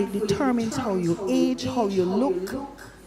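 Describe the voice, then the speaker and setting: A woman speaks over noticeable background noise. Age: 70s. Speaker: event host. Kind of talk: hosting remarks at youth symposium.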